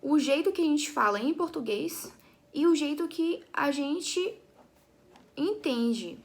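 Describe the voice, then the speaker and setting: A woman's voice: high voice, animated, takes it slowly. A young woman teaching an English lesson to her students, chatty, often checking in with her class and restarting her sentences.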